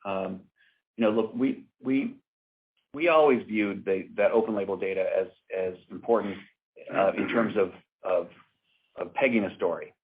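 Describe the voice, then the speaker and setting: A man with a very low, slightly rough voice speaks as an executive on a conference call. He answers haltingly, doubling back over words. The sound is thin and narrow, like a telephone line. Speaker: company executive. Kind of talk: answering questions on an earnings call. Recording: muffled narrow phone line.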